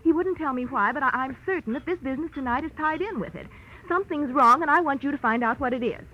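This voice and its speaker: A woman's voice: sits high, quick pace, close to an everyday voice. An actress playing a worried, determined well-to-do young woman, earnest and anxious, in 1940s radio drama. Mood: worried, insistent. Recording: muffled, noisy vintage 1940s radio recording.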